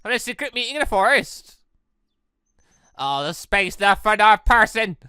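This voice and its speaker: A man hosting a gaming video, reacting excitedly as he reads through a visual novel aloud in an animated, exclaiming way. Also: high-pitched, moderate pace, clear, resonant tone, no echo, studio quality. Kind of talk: let's play, reading visual novel dialogue aloud with reactions.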